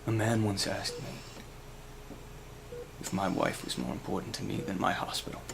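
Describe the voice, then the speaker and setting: A man playing a grieving, brooding asylum director in a fan web drama, speaking in a halting, deliberate way. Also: low-pitched, crowd noise. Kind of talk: acted dramatic monologue in a fan web series. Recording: clearly noisy amateur recording with ambience.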